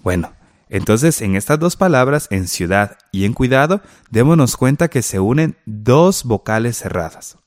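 A man teaching a radio class, reading out exercise instructions and examples in a clear, instructive way. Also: mid-range voice, lively intonation, moderate pace, no room sound, studio quality. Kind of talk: scripted radio lesson.

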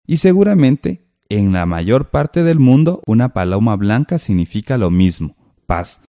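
A man's voice: fairly low pitch, big pitch swings, unhurried, dark tone, no room sound, studio quality. A man co-teaching a textbook lesson, explaining step by step and posing questions to the listener.

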